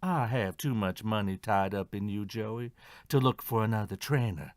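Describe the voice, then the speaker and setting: A man's voice: lowish voice, normal speed, dry recording, close to an everyday voice. A man voicing a greedy, bullying horse owner in an audio mystery play, with a demanding, threatening manner. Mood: threatening, pushy. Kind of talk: audio theatre murder mystery acting.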